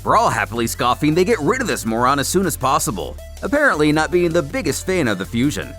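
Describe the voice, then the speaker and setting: A man delivers scripted recap narration with a theatrical storyteller's flair. His voice sits on the high side and swings very widely in pitch, over a music bed. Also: wildly swooping pitch, quick pace, a bit bright. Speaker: narrator of a comic recap series.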